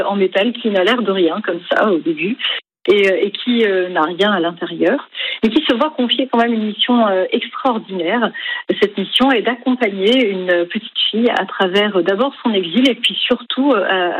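A woman's voice: medium pitch, moderate pace, muffled recording, a little hiss or hum. A woman singer and storyteller giving a radio interview, speaking hesitantly with many fillers and restarts. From Lebanese heritage.

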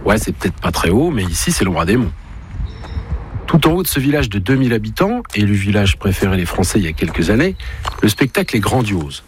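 A man's voice: lowish voice, sing-song, a little fast, a little hiss or hum. Enthusiastic tour-guide man narrating. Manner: enthusiastic guide, addressing listeners directly. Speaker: travel podcast narrator. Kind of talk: scripted narration.

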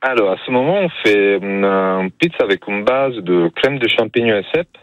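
A man running a small pizzeria, answering hesitantly with many pauses and fillers. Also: on the low side, lively intonation, no echo, lo-fi sound. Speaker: pizzeria owner guest.

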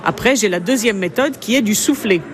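A woman's voice: mid-range voice, animated, fairly quick. A woman with an Italian accent, a jewellery designer talking about her craft in an interview, effusive and repeating herself as she explains. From Italy. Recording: busy crowd noise behind.

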